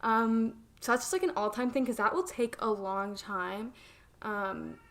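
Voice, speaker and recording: A woman's voice: a little high, unhurried, fairly bright tone. A young woman co-hosting a casual podcast chat, upbeat and rambling, with many "um"s and "like"s. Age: young adult. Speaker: podcast co-host.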